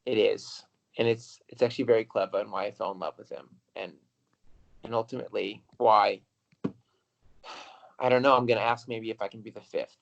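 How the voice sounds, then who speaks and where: A man's voice: on the low side, steady tone, moderate pace, vocal fry, highs cut off. A man playing a wistful, lovesick mother. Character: lovesick middle-aged mother, wistful and blunt. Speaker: improv performer. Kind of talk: improv comedy scene.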